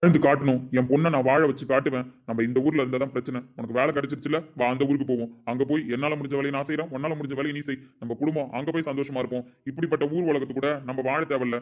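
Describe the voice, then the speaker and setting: A man's voice: medium pitch, steady tone, rapid-fire, few pauses, dull audio, close to an everyday voice. A man playing a middle-aged father who defends his daughter with emphatic, indignant speech in a family drama. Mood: resolute. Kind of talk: amateur family drama acting.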